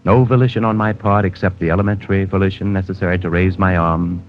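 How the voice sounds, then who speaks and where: An actor playing a cold, precise male killer narrating his diary in a 1940s radio drama, calm, clipped and detached. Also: sits low, quick pace, lightly acted. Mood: cold, clinical. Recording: dull old radio broadcast with music.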